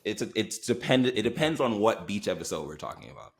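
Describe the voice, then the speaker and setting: A man in his thirties chatting casually on a podcast, telling animated stories and acting out quotes with laughs. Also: on the low side, quick pace, gravelly. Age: 30s. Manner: animated storyteller, laughs often, acts out quotes. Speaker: guest co-host.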